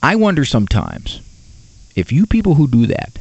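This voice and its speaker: A man's voice: medium pitch, huge pitch swings, normal speed, vocal fry, a little mellow, husky, no room sound, dull audio. A man doing a comedy monologue, telling stories with exasperation and mock-formal big words. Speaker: stand-up comedian.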